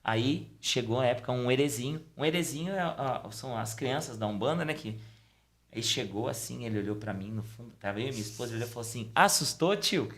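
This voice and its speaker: A middle-aged man, a podcast guest telling a personal story casually and acting out the dialogue. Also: fast. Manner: animated storytelling, acting out dialogue with pitch swings. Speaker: podcast guest, Umbanda priest.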